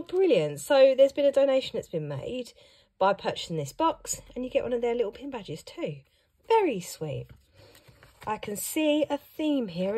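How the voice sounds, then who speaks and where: A woman who teaches young children, chatting upbeat through an unboxing vlog while hoarse and losing her voice. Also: mid-range voice, darkish tone. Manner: chatty and upbeat, reacting to each item. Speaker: primary school teacher and vlogger. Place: at home.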